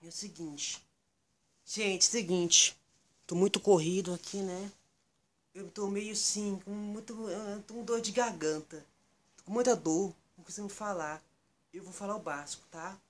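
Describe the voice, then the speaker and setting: A woman's voice: mid-range voice, steady tone, measured pace, lightly acted. A woman with a Brazilian accent voicing a chatty toy cow in an improvised puppet skit, subdued, as if her tonsils are swollen and her throat hurts. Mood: subdued, strained. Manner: subdued, holding the voice back. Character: chatty toy cow announcing channel news.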